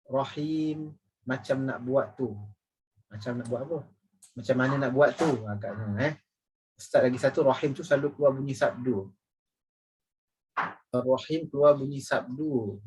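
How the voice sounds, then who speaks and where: A man teaching Quran recitation, drilling each phrase slowly and correcting mistakes as he repeats it. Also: mid-range voice, darkish tone, slight background noise. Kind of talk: tajwid lesson, correcting recitation. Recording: voice distant from the mic.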